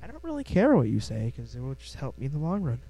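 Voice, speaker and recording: A man's voice: medium pitch, wildly swooping pitch, quick pace, warm tone, faint music behind. A young man with a Midwestern accent hosting a casual solo podcast from home, rambling and self-deprecating with restarts. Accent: Midwestern American. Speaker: podcast host. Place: home room. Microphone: close desk mic.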